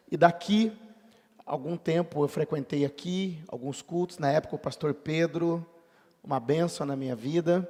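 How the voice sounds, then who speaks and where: With a dark, mellow tone and a high pitch, this man talks fairly slowly. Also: ordinary pitch variation. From interior of São Paulo state, Brazil. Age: 40s. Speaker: pastor. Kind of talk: sermon. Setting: church.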